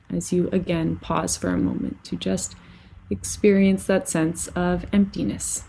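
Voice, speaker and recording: A woman leading a guided relaxation as a meditation teacher, speaking gently and soothingly with unhurried phrasing and long pauses. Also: gravelly, a little hiss or hum, low-quality recording. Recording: lower-quality microphone.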